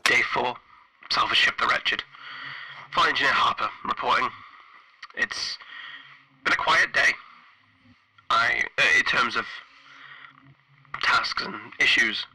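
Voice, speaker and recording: A man playing an anxious, isolated spaceship engineer recording log entries, halting and stammering, his phrases trailing off breathily. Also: medium pitch, bright, forceful tone, slightly rough, heavily acted, poor audio. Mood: nervous, reflective. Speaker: player of a solo tabletop horror game. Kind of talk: in-character audio log, dramatic monologue.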